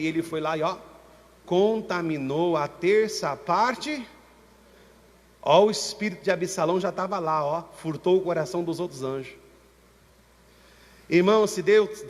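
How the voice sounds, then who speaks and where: A Brazilian man with a Brazilian Portuguese accent, preaching a sermon as pastor at a church service with impassioned, slow, emphatic repetition. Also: high-pitched. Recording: church reverb with long echo tail.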